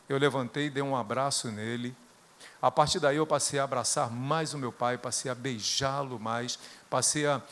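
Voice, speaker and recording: A middle-aged Brazilian man with a Brazilian Portuguese accent, preaching a sermon built on personal stories, rising to loud bursts and dropping to hushed tones. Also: mid-range voice. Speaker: guest preacher.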